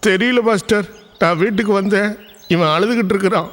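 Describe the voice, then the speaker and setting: A man's voice: high-pitched, fairly quick, fairly bright tone, in a large hall. An actor playing a distraught father who scolds his son and blames his mother-in-law. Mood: agitated. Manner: agitated, scolding.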